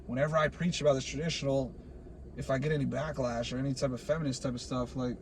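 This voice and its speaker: A man's voice: medium pitch, fairly even intonation, quick pace. A man in his late twenties ranting in a casual, rambling way, saying "dude" again and again and restarting his sentences. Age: 20s. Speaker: vlogger. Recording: loud vehicle noise behind.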